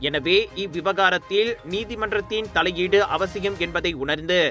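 A man with a Malaysian Tamil accent reading scripted news in a formal, measured way. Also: sits high, sharp tone, soft background music. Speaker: news presenter.

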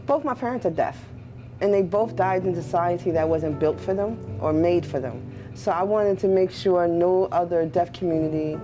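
A woman's voice: on the low side, normal speed, mellow, dull audio, soft background music. A middle-aged woman, a cafe owner, speaking earnestly and from the heart in an interview, with fillers, inside her cafe. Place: indoors in a cafe.

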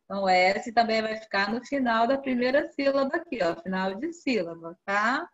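A woman teaching an online class to young children, patiently coaxing them and spelling out syllables slowly. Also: a little high, lively intonation. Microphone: video call. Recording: dull lo-fi video call audio.

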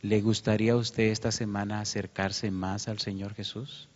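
A man's voice: level tone, moderate pace. A man preaching a sermon as pastor. He tells a story with feeling and raises his voice when he quotes people. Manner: emotional storytelling, rising pitch when quoting. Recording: muffled lo-fi sermon recording.

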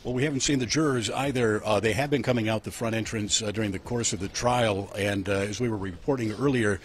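An older man, a television reporter, giving a live report outdoors at night with a handheld microphone. His delivery is steady and informative. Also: on the low side, quick pace, a little hiss or hum.

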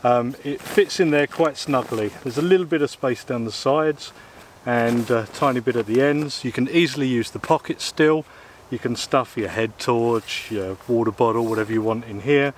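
A man's voice: medium pitch, slight background noise. A man, chatting casually through an outdoor gear review in the woods, with plenty of ums and uhs. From England. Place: woodland outdoors, in and beside a small tent. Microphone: camera mic, close and at mid distance.

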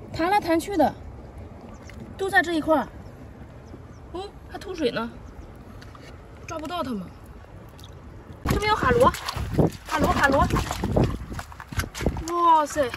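High-voiced woman vlogging at the seashore, all excited yelps, mic kinda far off, lots of background noise. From Shandong, China. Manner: lively, exclamatory, full of delighted cries. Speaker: seaside foraging vlogger. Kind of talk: excited live commentary while foraging. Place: rocky seashore outdoors. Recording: distant mic with loud outdoor ambience.

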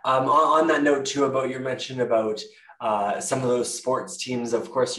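A young man with a Canadian accent walks viewers through student life in a relaxed, chatty way. He stumbles now and then and corrects himself. His voice sits back from the mic and rings in a roomy space. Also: medium pitch. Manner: casual, self-correcting with frequent fillers. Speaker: university presenter. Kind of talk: virtual info session presentation. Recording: echoey room, distant mic.

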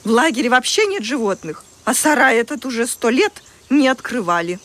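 High falsetto camp nurse, as a male reader puts her on, scolding, mocking, sing-song swoops, far-off sound, music bed. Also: big pitch swings, a little fast, fairly bright tone, exaggerated voice. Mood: sternly dismissive. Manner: scolding, then mockingly amused. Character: stern grumpy woman camp nurse.

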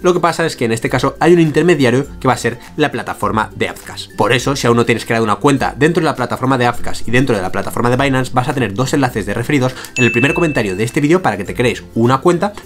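Young spanish guy, rapid tutorial host, mid pitch, webcam in a small room. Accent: Spain Spanish. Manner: fast, energetic step-by-step explaining. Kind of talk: screen-share tutorial.

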